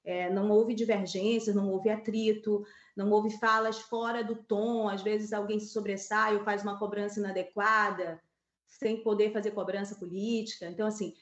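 Casting note: Brazilian woman columnist in her thirties, mid pitch, echoey webcam sound, hesitant live commentary. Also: level tone, moderate pace, highs cut off. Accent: Brazilian Portuguese. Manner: thinks aloud with many fillers and restarts. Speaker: political columnist. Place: home office with map on wall. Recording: echoey room.

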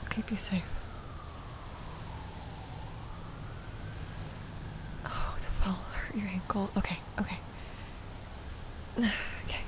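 A young woman of twenty playing a protective, tender yet commanding mafia boss in an ASMR romance roleplay, breathy and often half-whispering. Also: medium pitch, steady tone, normal speed, lightly acted. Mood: urgent, protective.

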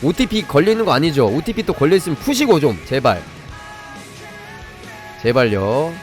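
Male game streamer, fairly high voice with lively swings, live commentary and viewer chat, music underneath. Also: normal speed. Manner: demonstrates step by step while breaking off to address viewers. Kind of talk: live gaming commentary and review, chatting with viewers.

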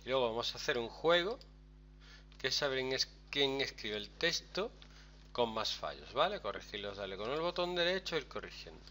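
A man's voice: mid-range voice, normal speed, a little hiss or hum. A man, teaching a class in a chatty, step-by-step way and often checking in with his students. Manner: lively, chatty, explains step by step with frequent "¿vale?". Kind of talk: screen-recorded software lesson.

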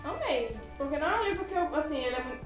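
A woman hosting a casual gift unboxing chat, excitable and full of exclamations. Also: high-pitched, racing, over music. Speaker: channel host. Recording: roomy, distant mic.

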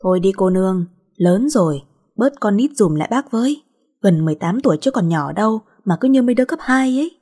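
A woman's voice: mid-range voice, animated, fairly quick, mellow, breathy edge. A woman voicing a middle-aged aunt who nags and scolds her niece. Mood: scolding. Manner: scolding, nagging.

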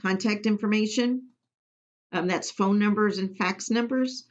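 Woman giving a plain software walkthrough. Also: mid-range voice, unhurried. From Missouri. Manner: plain step-by-step instructions with frequent ums. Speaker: immunization program trainer. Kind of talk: screen-recorded software tutorial. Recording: dull lo-fi audio.

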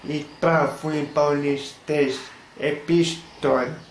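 Young man, Carioca accent, unhurried, monotone, small echoey room, faint hiss. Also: a little high. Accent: Carioca Portuguese. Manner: slow, halting, explaining word by word. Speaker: YouTuber. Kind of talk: casual vlog, teaching slang to the camera. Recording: roomy echo, faint hiss.

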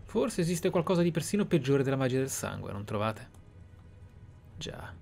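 A man narrating a video game playthrough in a measured, deliberate, theatrical way. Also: mid-range voice, big pitch swings, creaky, a little mellow, soft background music. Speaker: gaming channel host. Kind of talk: Let's Play roleplay narration and commentary. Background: video game ambience.

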